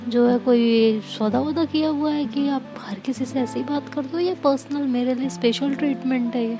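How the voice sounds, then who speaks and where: A woman's voice: high-pitched, normal speed, music in the background. A woman voicing Seerat, a sarcastic young woman who answers with mock politeness. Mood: flustered.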